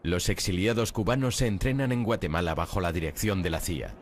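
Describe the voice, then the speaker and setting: A man's voice: low voice, brisk, noisy background. A man reading scripted narration for a documentary.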